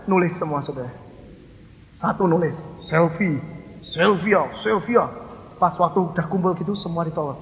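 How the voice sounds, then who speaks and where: A male pastor, telling a story in a sermon and acting out the dialogue. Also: high voice. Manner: animated, acts out dialogue, addresses listeners as Saudara. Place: large worship hall. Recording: hall reverb.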